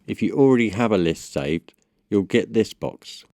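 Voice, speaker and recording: A man narrating a step-by-step software tutorial in a measured, instructional way. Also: lowish voice, animated, no room sound, studio quality. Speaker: tutorial presenter.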